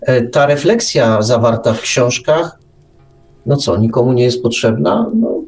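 Man chatting with very lively intonation. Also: medium pitch, a little slow, creaky, faint music behind. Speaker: radio host. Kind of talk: casual literary discussion.

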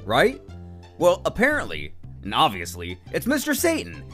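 A man narrates a dramatic story recap in a fairly high voice. His delivery is emphatic and theatrical, with very lively swings in pitch, over background music. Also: normal speed. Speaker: narrator of a fan manga recap.

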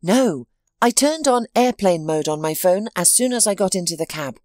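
A woman's voice: fairly low pitch, lively intonation, normal speed, a little mellow, no echo, clean studio sound, close to an everyday voice. A woman voicing a shaken, ashamed wife who speaks in an anxious, apologetic way in a storybook reading.

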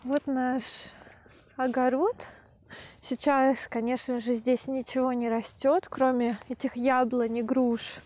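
A young woman vlogging with a camera held at arm's length, calmly explaining as she walks through a country house and its yard, speaking slowly and clearly for language learners. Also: high voice. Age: young adult. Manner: calm, unhurried, deliberate explaining. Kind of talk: slow, clear Russian for learners. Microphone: handheld camera at arm's length.

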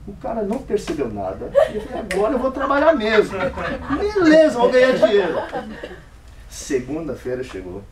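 A man's voice: high-pitched, a little hiss or hum. A man giving a storytelling speech at a club meeting, acting out the dialogue in different voices. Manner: animated, acts out dialogue in varied voices. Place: meeting room. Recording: echoey room from far off.

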